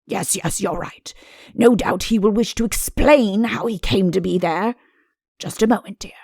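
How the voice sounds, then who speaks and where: A woman voicing a pompous, fussy fairy-tale king and doting father in a comic audiobook, with mock-innocent, deliberate phrasing. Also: medium pitch, creaky, darkish tone, dry recording, clean studio sound. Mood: confidential, genial. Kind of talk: audiobook comic character acting.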